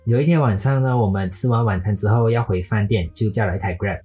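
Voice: medium pitch, fast talker, mellow, breathy edge, faint music behind. A podcast host from Malaysia, speaking Mandarin with a Malaysian accent, telling a story in a playful way and slipping English words into the talk.

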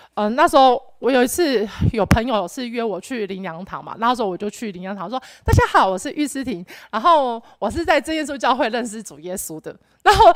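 A woman's voice: on the high side, no echo. Earnest young woman giving church testimony. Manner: earnest, rambling with many restarts and fillers. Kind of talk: personal testimony talk.

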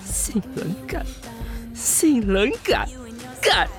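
A man's voice: high-pitched, very slow, music in the background, heavily acted. A volatile jilted gay man, Taiwanese accent. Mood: outraged, bitter. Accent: Taiwanese Mandarin. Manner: expressive, swearing, muttering to himself. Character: jilted gay man, sarcastic, indignant, hot-tempered lover. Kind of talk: modern radio drama acting.

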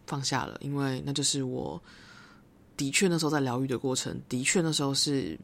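Low-voiced Taiwanese woman musing aloud. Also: fairly quick, vocal fry. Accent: Taiwanese Mandarin. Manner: reflective and rambling, slips into English phrases. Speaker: podcast host. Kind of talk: casual solo podcast monologue.

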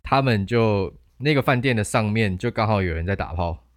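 A man's voice: fairly low pitch, expressive, moderate pace, no room sound, studio quality. A man with a Taiwanese accent chats casually and jokingly as a podcast co-host, using crude slang and speaking through a face mask. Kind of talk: casual chat.

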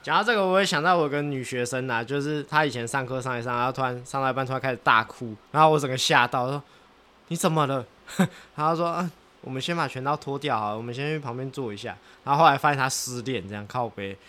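A man's voice: medium pitch, fast, sharp tone. A man who coaches boxing, trading jokes and stories in a casual podcast chat. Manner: jokey, teasing banter.

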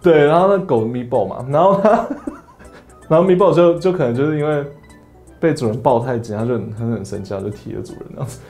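Over faint music, a young podcast host with a Taiwanese Mandarin accent talks at a quick pace on his casual solo show. His storytelling is lively, and he performs quotes from others in high voices.

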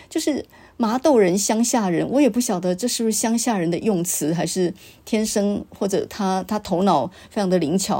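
A middle-aged woman with a Taiwanese Mandarin accent hosting a podcast, telling stories and reflecting on how scolding gets passed down. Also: medium pitch. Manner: storytelling, quoting her father's sharp remarks. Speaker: podcast host. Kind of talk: reflective monologue.

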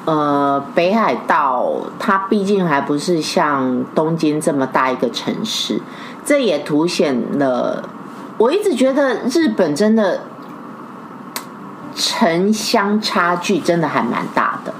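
A woman with a Taiwanese accent hosting a casual chat, telling stories in an expressive, emphatic way. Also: sits low, slow pace, a little hiss or hum, poor audio. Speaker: podcast host. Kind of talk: casual chat, animated storytelling.

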